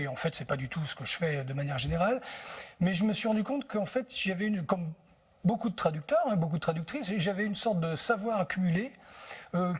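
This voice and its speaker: On a TV interview, a book translator shares anecdotes thoughtfully, pausing to search for words. His voice sits high and sounds slightly rough.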